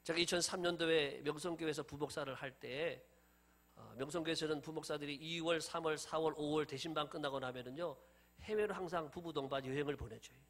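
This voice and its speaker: A middle-aged man preaching a sermon as pastor, animated and acting out scenes in different voices. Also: fairly high pitch, fairly quick.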